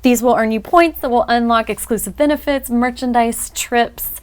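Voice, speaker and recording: Upbeat young woman co-host, slightly high. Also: moderate pace. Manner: upbeat, reads news smoothly, then chats loosely. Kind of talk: casual podcast chat with scripted news segments.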